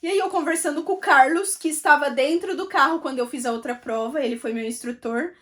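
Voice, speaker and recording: A woman's voice: high-pitched, brisk, a bit bright. A woman giving an emotional personal faith testimony, chatting directly to her viewers.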